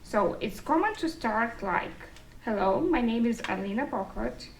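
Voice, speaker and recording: A woman's voice: fairly high pitch, lively intonation, a little slow, creaky. A woman, giving a public speech in phrasing to an audience. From Estonia. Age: 30s. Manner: non-native English phrasing. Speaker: speaker at a disability forum, part-time professor. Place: indoor forum room with an audience. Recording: distant mic, roomy echo, faint noise.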